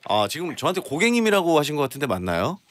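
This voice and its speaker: A man's voice: a little high, wildly swooping pitch, rapid-fire, background noise. A man hosting a radio phone-in quiz in a playful, exclamatory, teasing way. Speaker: radio quiz show host.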